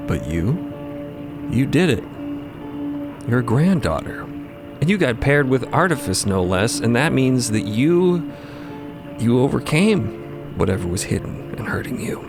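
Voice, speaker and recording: A man voicing a wounded, earnest trans woman in a fiction podcast, halting and sighing as she confesses her self-doubt. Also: medium pitch, big pitch swings. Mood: pained admiration. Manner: halting, sighing, breaking into hushed near-whispers. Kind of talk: emotional dramatic monologue in a narrated fiction podcast. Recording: loud music bed.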